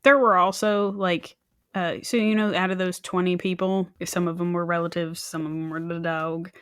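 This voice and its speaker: A woman's voice: on the low side, little pitch movement, normal speed, clean tone, dry recording, studio quality. A woman co-hosting a true crime podcast, chatting casually and jokingly, with little asides in acted voices. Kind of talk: casual banter about a crime case.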